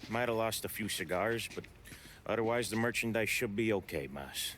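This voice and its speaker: An actor playing a cool, discreet, pragmatic American mob lieutenant in a cinematic video game. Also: male voice, fairly low pitch, lively intonation, normal speed, a bit bright, slight background noise. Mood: composed, deferential.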